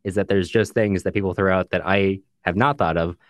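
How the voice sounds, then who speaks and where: A man's voice: deep voice, steady tone, fairly quick, no room sound, studio quality. A man co-hosting a book discussion podcast in a casual, chatty way, sometimes reading out listener comments. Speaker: podcast co-host.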